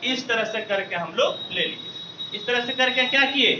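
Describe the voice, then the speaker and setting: A man's voice: very high-pitched, moderate pace, noisy background. A man teaching maths to a live class, repeating each question so students call back the answers and calling them babu and beta. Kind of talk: classroom lecture with call-and-response. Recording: roomy, distant, dull classroom recording.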